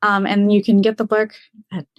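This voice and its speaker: A woman who is a professor, talking as a podcast guest and explaining her work in a measured way. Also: medium pitch, monotone, dry recording, dull audio. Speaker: guest, business school professor. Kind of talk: casual interview talk.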